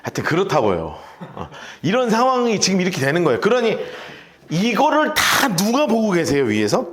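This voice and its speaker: A man's voice: high-pitched, a little fast. A male pastor giving a Bible study sermon in a church, casual and colloquial, often acting out little scenes. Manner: lively, colloquial, acts out scenes.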